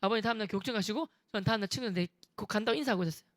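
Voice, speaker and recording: A man with a Busan accent, a church deacon, telling his testimony with humor and punchy, rough-spoken quotes. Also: high-pitched, rapid-fire, dry recording, clean studio sound. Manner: lively, humorous storytelling with rough dialect quotes. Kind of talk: animated testimony with acted quotes.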